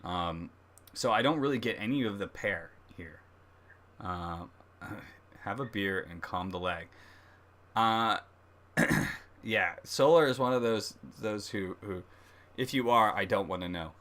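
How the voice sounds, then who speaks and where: Guy with a lowish voice doing a live tasting review, kinda halting, thinks out loud as he goes. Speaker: host of a beer review livestream. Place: livestream, speaking beside a laptop.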